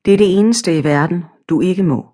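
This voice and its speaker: A woman reading a storybook, voicing God as a patient, gently firm father figure. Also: fairly low pitch, husky. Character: calm fatherly male God.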